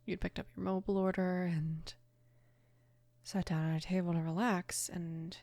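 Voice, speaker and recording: A woman of about twenty playing a mafia boss's protective, casual daughter in an intimate ASMR roleplay, speaking softly and unhurriedly, often slipping into a whisper. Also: little pitch movement, no room sound, close to an everyday voice. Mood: calm, confiding. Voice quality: soft, breathy whispering mixed with low murmur. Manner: hesitant, unhurried, casual with small pauses. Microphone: close microphone, dry.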